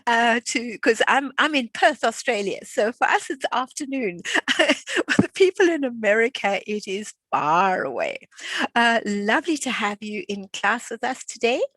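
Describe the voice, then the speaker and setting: A woman's voice: on the high side, big pitch swings, normal speed, fairly bright tone, dry recording. Chatty older woman on a video call. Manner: chatty, friendly, lots of fillers and restarts. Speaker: online class instructor. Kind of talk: casual chat before an online class. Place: at home.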